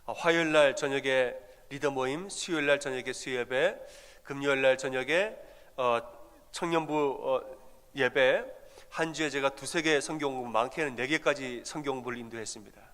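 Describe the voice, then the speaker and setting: A man's voice: medium pitch, normal speed, fairly bright tone. A male pastor preaching a sermon in a conversational storytelling manner, asking the congregation questions as he goes. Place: church sanctuary. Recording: long reverb of a church hall.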